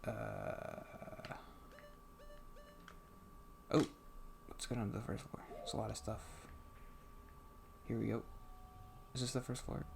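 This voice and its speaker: Quiet, gravelly low-voiced man muttering. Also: fairly even intonation, noisy background. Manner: soft-spoken, halting, muttering to himself while playing. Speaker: gaming channel host. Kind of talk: casual gameplay commentary. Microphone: computer microphone turned up loud.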